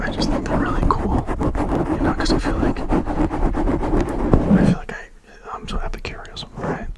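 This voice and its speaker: A man whispering over noticeable background noise. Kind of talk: casual talk to camera about philosophy. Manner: tired, rambling, casual.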